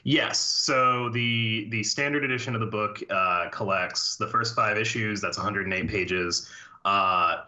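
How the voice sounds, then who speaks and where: A man's voice: fairly low pitch, pushed and bright, dull audio. A man, a comic book writer, talking as a podcast guest, with frequent fillers and restarts. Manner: halting, many fillers and restarts. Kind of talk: casual podcast interview.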